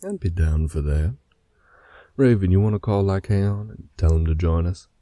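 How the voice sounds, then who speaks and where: A man voicing a stern, protective male werewolf pack leader in a fan audio drama, with a husky, gravelly voice and a firm, measured delivery. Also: sits low, mellow, no echo, studio quality, natural voice.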